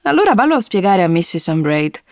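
A woman's voice: very animated, brisk, a little mellow, no room sound, studio quality. A woman voicing a tired, guarded teenage girl, a school prefect who speaks in a weary, clipped way. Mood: curt. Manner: weary, clipped, low-key.

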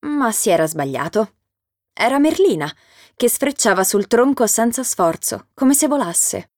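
A woman narrating a children's storybook in a steady, clear reading voice. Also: on the high side, measured pace, no room sound, clean studio sound.

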